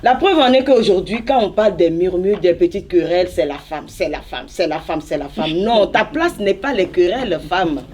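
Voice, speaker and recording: A woman's voice: fairly low pitch, expressive, normal speed, few pauses, a little mellow, a little hiss or hum. A woman from Benin, an evangelist exhorting mothers in a church interview with emphatic repetitions.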